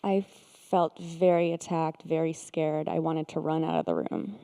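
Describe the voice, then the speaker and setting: A woman sharing a painful personal story, hesitant and halting, often pausing with fillers. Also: sits low, steady tone, gravelly, mellow. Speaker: participant, therapist.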